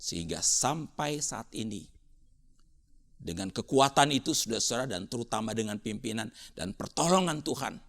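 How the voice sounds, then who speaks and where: A man's voice: mid-range voice, lively intonation, normal speed, creaky, fairly bright tone. A man delivering a sermon as a Christian preacher, emphatic and rhetorical, repeating phrases for dramatic effect.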